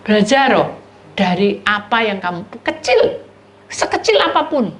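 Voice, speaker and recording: A woman's voice: mid-range voice, measured pace. A middle-aged woman pastor, preaching a sermon and telling personal stories, acting out the voices of the people in them. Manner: lively storytelling, acts out voices of neighbors and God, addresses listeners as saudara.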